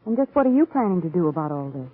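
A woman's voice: fairly low pitch, sing-song, racing, slightly rough, no room sound, faint music behind. An actress playing a pert, witty young woman, a sleuth's sidekick in an old-time radio drama, arch and inquisitive on a tinny old recording. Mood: curious, doubtful.

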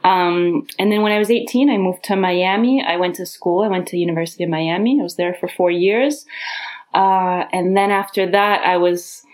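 A woman from Rhode Island in her thirties, a podcast guest recounting her life in an animated, earnest way, recorded in an apartment bedroom. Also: normal speed. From Rhode Island, United States. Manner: animated, earnest storyteller, pitch lifting on key points. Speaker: interview guest. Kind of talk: personal storytelling in conversation.

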